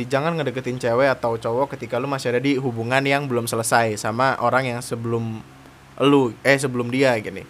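A young man giving blunt dating advice in a casual monologue, animated and slangy, acting out mocking quotes. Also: medium pitch, slight background noise.

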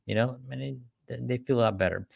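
A man's voice: medium pitch, brisk, vocal fry, dry recording. A man giving a casual talk on leadership, chatty and acting out short quoted examples. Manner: conversational, acts out quoted examples.

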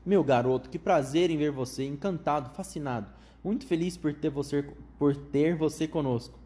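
A man voicing an eccentric, excitable chocolate factory owner with a high, flute-like voice who gushes out strings of welcomes. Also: lightly acted. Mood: gushing. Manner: gushing, rapid strings of enthusiastic welcomes.

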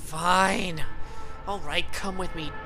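A woman's voice: on the low side, steady tone, slow pace, sharp tone, faint music behind. A woman playing an exasperated older brother, a boy who is hesitant but insistent and bossy, in a roleplay audio drama.

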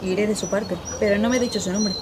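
A woman's voice: mid-range voice, steady tone, fast talker, background noise, close to an everyday voice. A woman playing a curious, persistent young journalist who asks polite questions. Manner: inquisitive, polite. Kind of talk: radio drama acting.

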